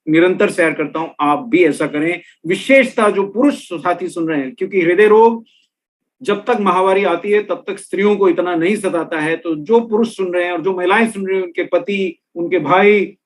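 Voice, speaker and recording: A middle-aged man presenting a health and nutrition talk, explaining step by step and speaking straight to his listeners. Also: sits high. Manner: explanatory, addresses listeners directly. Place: room with products on shelves behind.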